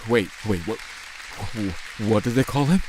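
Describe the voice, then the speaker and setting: Anxious mobster, male actor, lowish and very animated, halting and stammering, for comic audio drama over music. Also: a little hiss or hum, poor audio. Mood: panicked, stunned. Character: anxious, flustered male gangster, pleading with his sweetheart. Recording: music behind.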